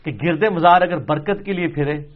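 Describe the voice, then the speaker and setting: A high-pitched man gives a lecture-style Q&A as a religious scholar. He is sarcastic and animated, and he acts out the opponents he quotes. The recording is dull and lo-fi. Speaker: religious scholar answering audience questions.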